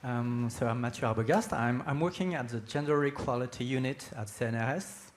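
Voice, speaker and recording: A man gives a short introduction on a conference panel. His pitch is average. He speaks hesitantly, halting as he finds his phrases. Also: slight background noise. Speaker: research gender equality officer, panel guest.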